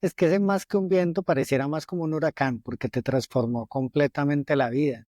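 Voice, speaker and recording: A man's voice: fairly high pitch, steady tone, brisk, dark tone, no echo, studio quality. A man hosting a conversational podcast interview, speaking in an encouraging, attentive way to his guest. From Colombia.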